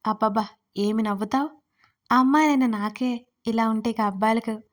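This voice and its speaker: A woman's voice: on the high side, fairly even intonation, moderate pace, close to an everyday voice. A woman voicing a playful, talkative young woman friend in an audio story. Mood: teasing.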